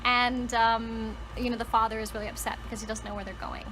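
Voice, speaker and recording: A woman's voice: on the high side, level tone, fairly quick, noisy background. A woman talking casually and enthusiastically to viewers as a book vlogger, conversational and leaning on words for emphasis. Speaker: book vlogger and storytelling channel host.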